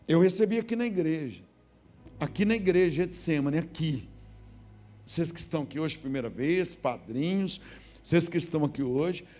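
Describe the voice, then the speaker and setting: A middle-aged Brazilian pastor preaching a storytelling sermon in a church, acting out dialogue and sometimes shouting. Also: male voice, a little high, lively intonation, normal speed. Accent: Brazilian Portuguese, Minas Gerais. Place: church sanctuary.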